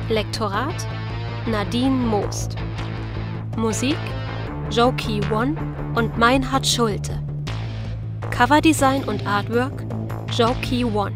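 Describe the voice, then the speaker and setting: A woman reads radio play credits as an announcer. Her voice is fairly high and extremely slow, item by item, with music clearly behind her. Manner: measured, list-like delivery.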